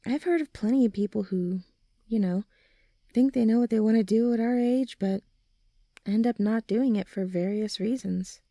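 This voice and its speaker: Woman acting as teenage girl, caring best friend, ASMR roleplay, soft warm tone, reassuring, informal, dry intimate sound. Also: a little high, moderate pace, dry recording. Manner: gentle, reassuring, informal, often sighing or softly laughing. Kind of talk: ASMR roleplay audio drama.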